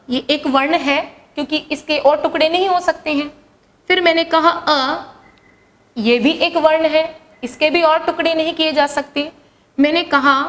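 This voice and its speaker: A woman with a high-pitched voice teaches a class lesson. She explains patiently and repeats each idea. She keeps asking her students questions and then answers them herself.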